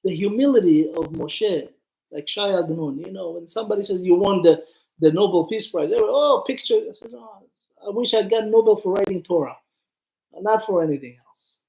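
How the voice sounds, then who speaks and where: A man's voice: high voice, moderate pace, vocal fry, warm tone. Male rabbi, conversational storyteller giving an informal religious class, questioning listeners, recorded in an echoey room. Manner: conversational, acts out dialogue, puts questions to listeners. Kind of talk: informal Torah lesson with storytelling.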